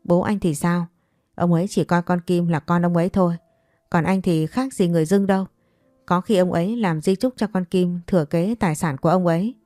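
A woman's voice: fairly low pitch, steady tone, fairly quick, mellow, no echo, studio quality, soft background music, lightly acted. A woman reading the part of a scheming, defiant stepmother who argues back. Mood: quarrelsome. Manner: argumentative, defiant.

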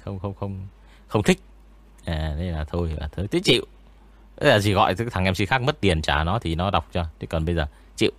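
A man with an eerie, spooky-sounding voice, a ghost story narrator chatting in a relaxed, rambling interview with frequent pauses. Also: low voice, no room sound. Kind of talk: casual interview chat.

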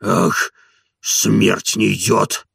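A stubborn old manservant put on by a male narrator, grumbling and evasive in a deeply gravelly, husky voice. The tone is bright and hard-edged. He sounds set back from the mic in a dry recording. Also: little pitch movement, drawn-out words, no echo, exaggerated voice. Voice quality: gravelly, hoarse.

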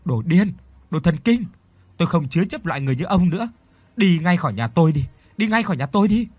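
A man voicing a distraught mother who cries and shouts while defending her son, in a storybook reading. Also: very animated, fast, breathy edge, no room sound, exaggerated voice. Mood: furious. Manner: shrill, shouting in tears.

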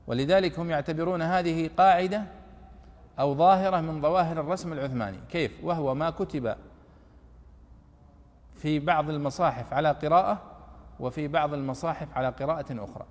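A man's voice: fairly high pitch, fairly quick, pauses often, in a large hall. A middle-aged man giving a lesson on Quranic exegesis, explaining patiently and often checking that his listeners follow. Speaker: teacher. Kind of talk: classroom commentary on Quranic exegesis.

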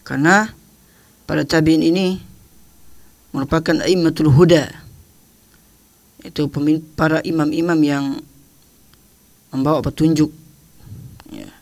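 A man teaching religion on the radio, speaking in short halting phrases with frequent tag words. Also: a little high. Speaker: Islamic teacher.

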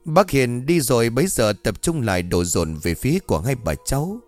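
A man's voice: medium pitch, sing-song, moderate pace, no room sound, faint music behind. A man narrating a village horror story, briefly voicing the villagers in the dialogue.

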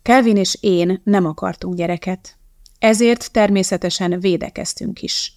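A woman reading an audiobook, voicing a calm, unflinching young woman scientist who speaks in a matter-of-fact way. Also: medium pitch, no room sound, clean studio sound, close to an everyday voice. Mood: calm and firm.

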